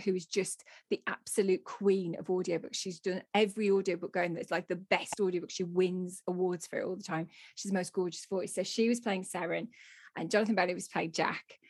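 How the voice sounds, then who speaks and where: A woman in her thirties with a Black Country accent, co-hosting a podcast and telling stories in a chatty, animated, self-mocking way. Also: medium pitch, breathy edge, no echo, studio quality. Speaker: podcast co-host. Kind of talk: casual chat.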